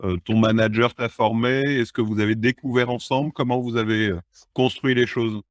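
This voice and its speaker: A man hosting a podcast, opening with a scripted intro and then asking a guest questions in a relaxed way. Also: mid-range voice, normal speed, no room sound, studio quality. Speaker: podcast host.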